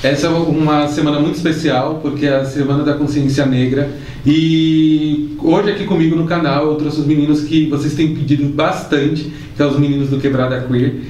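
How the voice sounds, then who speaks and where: A man's voice: fairly high pitch, fairly even intonation, moderate pace, darkish tone. A man hosting a channel, introducing guests in a casual way with hesitant fillers. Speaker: host. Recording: roomy sound from a distance.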